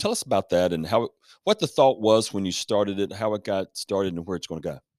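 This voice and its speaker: This man speaks with a North Carolina accent and ordinary pitch variation. The recording is very clean, with a silent background and a dry, close sound with no echo. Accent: North Carolina Southern. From Holly Springs, North Carolina. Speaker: podcast co-host. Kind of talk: interview conversation.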